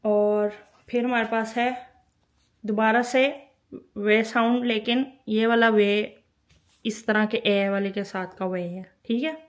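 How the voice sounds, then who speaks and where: A woman's voice: medium pitch, fairly even intonation, slow. A woman teaching a language lesson, patiently explaining and repeating each sound several times while she writes. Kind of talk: spoken lesson.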